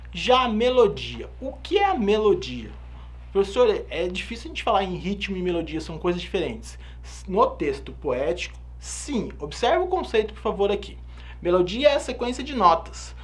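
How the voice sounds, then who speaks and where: Man, Brazilian Portuguese accent, teacher, recorded lesson, lively intonation, keeps checking understanding. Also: high voice. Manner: explains step by step, often checking in with "tá?" and "certo?".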